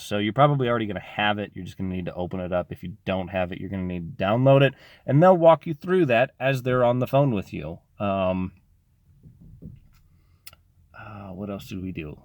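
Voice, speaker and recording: A man's voice: fairly low pitch, a little mellow, no room sound, studio quality. Tired man losing his voice. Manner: rambling, informal, frequent fillers. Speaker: locksmith sharing business advice. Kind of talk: casual talk to camera.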